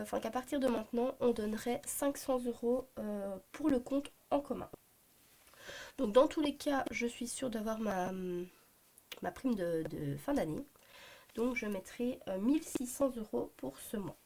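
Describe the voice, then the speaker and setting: A woman in her thirties with a Belgian French accent, hoarse from a cold, chatting to camera about her family budget with many hesitant fillers. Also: a little high, dark tone, a little hiss or hum. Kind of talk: casual talk to camera. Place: home at a desk, morning.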